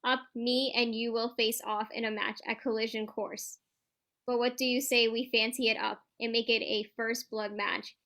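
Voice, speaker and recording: A woman as a cocky wrestling champion, bright and high. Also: little pitch movement, moderate pace. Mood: boastful, challenging. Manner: boastful, stumbling over the script. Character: cocky, trash-talking male champion pro wrestler called the prince. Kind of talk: staged reading of wrestling promos.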